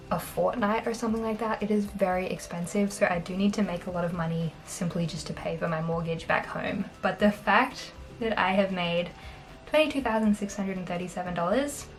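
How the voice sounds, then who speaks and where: A young Australian woman in her twenties, chatting casually on camera in a small bedroom, upbeat and quick to laugh. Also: fairly low pitch, faint music behind. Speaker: vlogger. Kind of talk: casual talking-head finance vlog.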